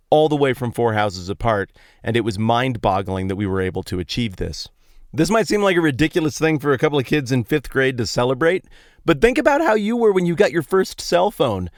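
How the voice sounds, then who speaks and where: A man's voice: medium pitch, smooth, no echo, studio quality. An American man hosting a podcast, telling stories in a casual, colloquial way with playful emphasis, recorded inside a parked truck. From Colorado, United States. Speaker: podcast host. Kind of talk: casual conversational Bible talk, storytelling monologue.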